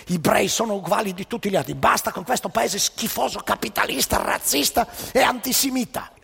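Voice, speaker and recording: A man's voice: high-pitched, a little fast, creaky, sharp tone, breathy edge, long reverb tail, voice pushed up, exaggerated voice. A man voicing a zealous young Jewish communist writing home in broken Italian. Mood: exalted. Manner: exalted, broken Italian, sing-song.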